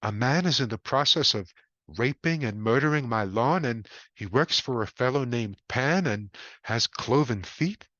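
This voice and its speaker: A man voicing a frantic, panicked middle-aged homeowner who talks in a shrill, desperate, raised voice. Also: animated, measured pace, pushed and bright, no room sound, lo-fi sound. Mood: flustered.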